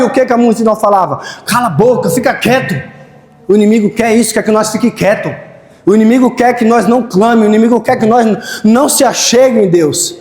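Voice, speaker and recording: A man with a very high voice prays fervently before a congregation, circling back again and again to the same short phrases. The sound is roomy, with a long church reverb trailing each line. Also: darkish tone. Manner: fervent, repetitive prayer phrases. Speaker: preacher. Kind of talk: sermon and spoken prayer. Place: church hall.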